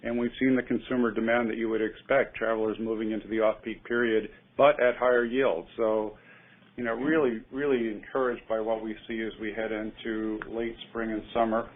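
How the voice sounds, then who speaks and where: Over a narrow phone line, a man with a fairly low voice answers questions as a company executive. He talks in a measured, upbeat business register, unscripted, as on an earnings call. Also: little pitch movement. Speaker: airline executive answering analysts.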